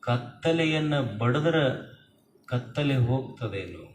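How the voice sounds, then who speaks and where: A man giving a sermon at a public gathering, speaking in measured phrases with long pauses. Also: mid-range voice, very animated. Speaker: religious speaker. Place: large public event hall. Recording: roomy echo from a distant mic with faint noise.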